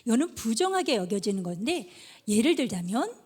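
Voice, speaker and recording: High, lively woman preaching to children. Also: fairly quick, breathy edge. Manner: animated storytelling, addresses children directly. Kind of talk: children's sermon.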